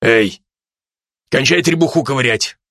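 A man voicing a calm, serious male special-forces dog who explains things patiently. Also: mid-range voice, measured pace, gravelly, dry recording, clean studio sound. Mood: matter-of-fact.

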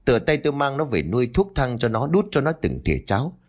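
Gruff old grandfather, played by a man, blunt and cursing, lively in pitch; storybook reading. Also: quick pace. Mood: bitter.

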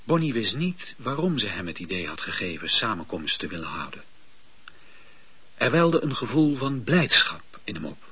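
A man narrating a radio drama in a measured storytelling manner. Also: lowish voice, very animated, bright, forceful tone, slightly rough. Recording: dull, dry lo-fi old radio recording.

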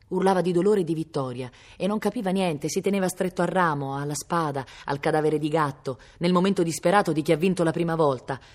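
A woman from Italy reading a novel aloud for a library, telling the story expressively and lifting her voice high and loud for the shouted lines. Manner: expressive storytelling, raising pitch and volume sharply for quoted shouts; slows down on tense moments, hisses the cat's sounds. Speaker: volunteer reader for a public library.

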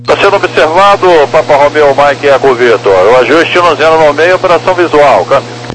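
A man's voice: a little high, animated, a little fast, a bit bright. A man with a Brazilian accent working as an air traffic controller, giving clipped procedural calls over crackly, military-style radio. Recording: humming, noisy aviation radio.

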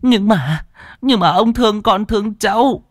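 A man voicing a grieving, frightened old grandmother in a high falsetto, wailing and begging in a ghost story. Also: a little slow, no room sound, clean studio sound. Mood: pleading.

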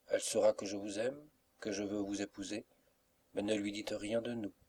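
A gentle, mysterious young suitor from a storybook, with a soft, respectful and reassuring way of talking, read by a man in his own fairly low voice. He speaks calmly and kindly. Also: moderate pace, slight background noise, natural voice. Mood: secretive.

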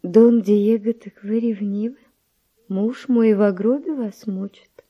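An actress playing a virtuous young Spanish noble widow, with refined, breathy, emotional delivery in a verse radio drama. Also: female voice, medium pitch, fairly even intonation, takes it slowly, dull audio. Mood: demure.

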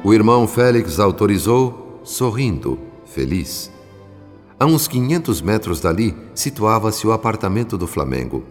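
Radio drama narrator: very low voice, solemn and benevolent, long reverb. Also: male voice, big pitch swings, unhurried. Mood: solemn, serene. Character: solemn, benevolent male spirit narrator telling the story. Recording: long reverb, music behind.

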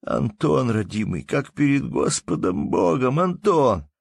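A man voicing a desperate poor peasant who wails and begs in a creaky, husky, strained high voice. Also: sing-song, measured pace, no room sound, studio quality, heavily acted. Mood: pleading. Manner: wailing, begging, folksy speech.

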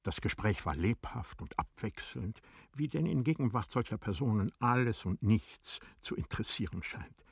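Deep, husky male literary narrator. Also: expressive, no room sound, studio quality. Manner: measured, composed storytelling. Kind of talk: literary radio drama narration.

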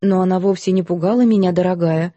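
A meek, gentle elderly lady, as a woman narrator puts her on, speaks softly and kindly. Her voice is warm and mellow, close and dry. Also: on the low side, steady tone, fast, no room sound, lightly acted.

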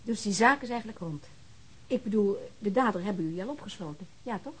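A woman's voice: mid-range voice, animated, fast talker, husky. An actress playing a dryly disappointed woman questioning detectives in a radio drama. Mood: probing.

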